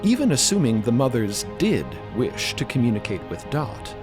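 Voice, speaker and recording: Animated man narrator over music. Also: medium pitch, moderate pace. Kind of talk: scripted dramatic narration.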